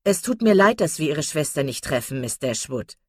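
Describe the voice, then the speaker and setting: A woman's voice: low voice, sing-song, moderate pace, husky, no room sound, clean studio sound, full character voice. A woman doing a simpering, vain young chatterbox. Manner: simpering, affected.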